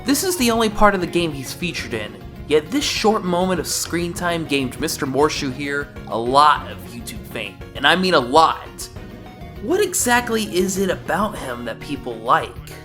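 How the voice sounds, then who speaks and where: A man's voice: on the high side, very animated, moderate pace, music in the background. A man giving scripted comedic commentary as a game reviewer, wry and sarcastic.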